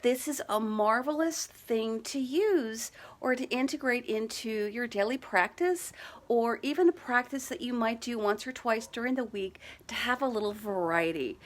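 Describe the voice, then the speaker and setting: A woman coach giving a gentle, reassuring talk on tapping for stress, speaking conversationally with frequent filler words. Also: on the high side. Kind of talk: guided wellness talk to a live online audience.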